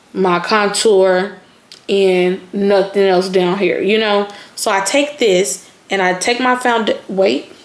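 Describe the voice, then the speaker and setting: A woman at medium pitch speaks very slowly, her loudness held very even and her pitch varying normally. Noticeable background noise and audible room echo surround her. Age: 20s. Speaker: beauty vlogger. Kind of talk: makeup tutorial. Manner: casual, chatty.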